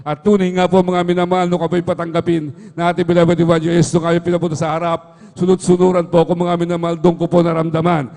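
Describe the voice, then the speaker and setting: A man's voice: on the high side, completely flat delivery, fast talker, darkish tone. A man giving an earnest testimony at a worship service, repeating a fond address to the listeners after nearly every phrase. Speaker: church member giving testimony. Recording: long hall reverb.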